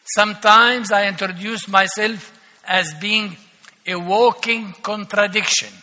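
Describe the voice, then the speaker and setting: Older guy with preaching slow, ironic and emphatic, high bright voice echoing round a big church. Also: steady tone. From Palestine. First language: Arabic. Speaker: archbishop preaching as guest. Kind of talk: sermon. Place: large church. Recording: echoey church hall.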